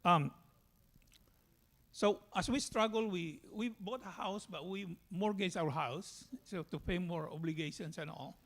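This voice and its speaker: A man from the Philippines with a Filipino accent, giving a personal church testimony in a halting way. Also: high voice, fairly bright tone.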